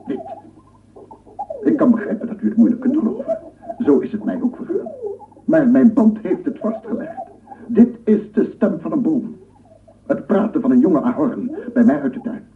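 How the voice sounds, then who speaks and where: A man's voice: high voice, huge pitch swings, normal speed, gravelly, long pauses, far from the mic, full character voice. An actor playing an obsessive scientist in a radio drama, lecturing formally and rhetorically with fervent wonder, repeating his phrases. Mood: fervent, amazed. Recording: muffled phone-like radio play recording, off-mic.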